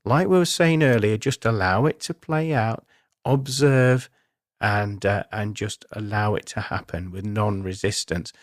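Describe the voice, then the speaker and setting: A man's voice: on the low side, measured pace, no room sound, studio quality. A man hosting a spiritual talk, explaining techniques in an earnest, reassuring, instructional way. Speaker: spiritual medium and radio host.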